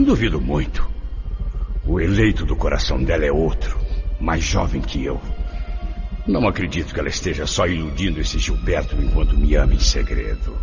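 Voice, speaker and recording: A man's voice: low voice, creaky, exaggerated voice. An actor in a radio drama playing a tormented middle-aged father, anguished and self-questioning, torn by jealous desire. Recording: dull audio with music behind.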